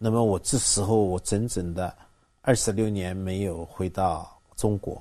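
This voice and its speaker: A man speaks at a fairly slow pace and fairly low pitch, with a dark, mellow tone. His intonation is fairly even, and the background is quiet. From China, Zhejiang (Zhuji). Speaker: painter. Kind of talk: interview.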